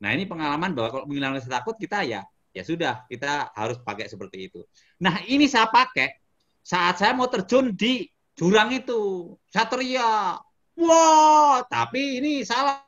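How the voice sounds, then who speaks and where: A middle-aged man from Indonesia who works as a motivational speaker, chatting in an interview. His voice sits a little high and stays animated. He tells his story with chuckles and sudden shouted exclamations. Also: normal speed, muffled recording.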